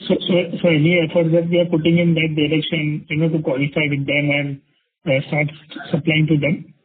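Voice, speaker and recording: Male analyst, fairly high husky voice, hesitant and deferential, calling in by phone. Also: little pitch movement. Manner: halting, repetitive, deferential. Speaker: financial analyst asking questions. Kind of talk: hesitant conference call questioning. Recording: muffled narrowband phone line.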